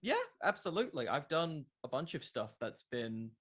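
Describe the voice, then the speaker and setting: A man's voice: a little high, sing-song, normal speed, a bit bright. A man chatting casually as the guest in an interview. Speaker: podcast creator being interviewed.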